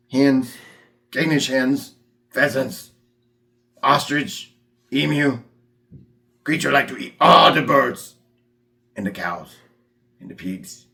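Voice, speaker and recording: A man voicing a simple-minded, always hungry creature puppet with a gravelly growl and broken third-person grammar. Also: mid-range voice, pushed and bright, full character voice. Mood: greedy relish.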